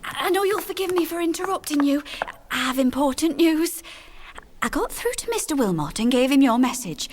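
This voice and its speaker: A woman's voice: high-pitched, very animated, moderate pace, long reverb tail, pitched above the performer's own voice. A woman playing an eager, proper young lady who speaks formally and emphatically in a period radio drama. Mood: eager, reassuring.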